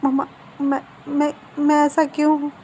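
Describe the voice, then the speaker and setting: A woman's voice: sits high, monotone, normal speed, warm tone, slight background noise, pitched above the performer's own voice. A woman voicing a distressed young man who is crying and pleading, in a narrated story. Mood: tearful, pleading.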